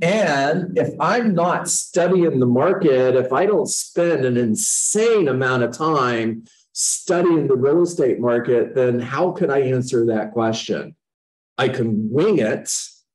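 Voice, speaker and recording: Against a quiet background, a man speaks very slowly with lively intonation. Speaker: real estate trainer. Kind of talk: lecture. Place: office. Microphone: video call.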